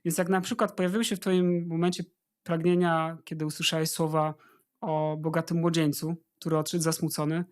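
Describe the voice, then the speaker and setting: A man's voice: on the high side, flat delivery, fairly quick, clean tone. A man giving informal spiritual advice as a guest, earnestly urging listeners and addressing them directly. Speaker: interview guest, religious brother.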